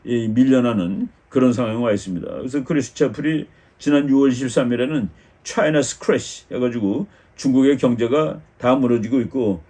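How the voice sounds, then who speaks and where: An older man lectures on world affairs in an even, explanatory way, pausing on fillers and restarting his sentences. His voice sits at a middle pitch with a dark, mellow tone. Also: husky. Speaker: political science lecturer. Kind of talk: lecture on international politics.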